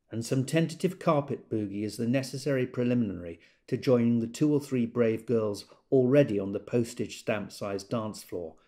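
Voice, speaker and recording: A man's voice: fairly low pitch, a little mellow, lightly acted. An actor playing a wry gay man who tells of a party in an observant, dramatised literary monologue.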